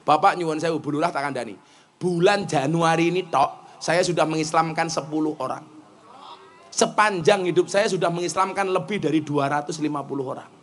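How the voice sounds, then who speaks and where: A man's voice: fairly high pitch, fairly quick, slight background noise. A man with a Javanese accent preaching to a live audience, telling jokes and acting out stories as he switches between Javanese and Indonesian. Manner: mixes Javanese and Indonesian, jokes and animated storytelling. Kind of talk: comic Islamic sermon.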